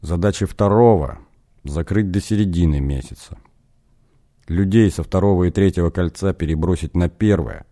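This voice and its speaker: A man's voice: low-pitched, moderate pace, warm tone, natural voice. A man voicing a sheepish young novice sorcerer who answers hesitantly and defensively. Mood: solemn.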